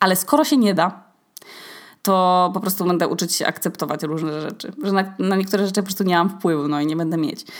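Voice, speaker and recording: Very fast, animated speech from a woman at medium pitch with ordinary pitch variation, in a very clean recording with a silent background. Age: 20s. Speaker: podcaster. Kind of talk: casual monologue.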